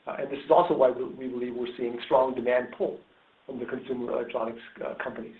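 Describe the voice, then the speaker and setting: A man speaking as a company executive, answering questions on an earnings call with frequent ums and pauses. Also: mid-range voice, fairly even intonation. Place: conference call. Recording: narrow phone-like line, roomy echo.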